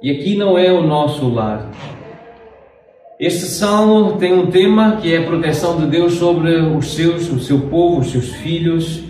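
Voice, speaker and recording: A middle-aged man from Portugal with a European Portuguese accent, preaching a sermon with slow, emphatic pauses. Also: fairly high pitch, a little mellow, slight background noise. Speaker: pastor. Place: church sanctuary. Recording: very echoey church, distant mic.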